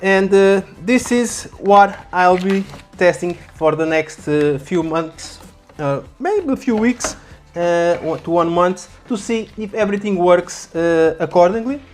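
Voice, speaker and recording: Casting: casual product-unboxing vlogger, halting and repetitive phrasing, music underneath. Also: mid-range voice. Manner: halting, repeats words. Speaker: YouTube vlogger. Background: background music.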